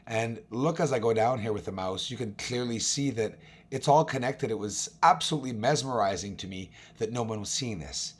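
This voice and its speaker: A man with a hoarse, raspy, recovering voice hosts an informal walkthrough of images, talking emphatically and directly to his viewers. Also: medium pitch, fairly quick. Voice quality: raspy, husky. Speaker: video host, amateur telescope observer.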